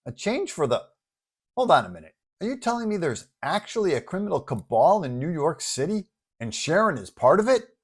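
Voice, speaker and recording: A man voicing a superhero's incredulous, excitable male office partner in an audio storybook, sputtering questions. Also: a little high, fairly quick, breathy edge, voice pushed up.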